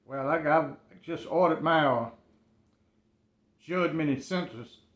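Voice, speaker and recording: A man's voice with fairly even intonation. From Sudan, moved to US at eight. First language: Arabic. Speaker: YouTuber, former prisoner. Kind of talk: casual vlog monologue.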